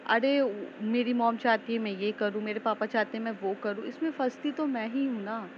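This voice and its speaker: A woman's voice: fairly high pitch, moderate pace, natural voice. A woman voicing an upset, studious teenage schoolgirl who explains her troubles plaintively. The recording is slightly dull, with faint traffic behind.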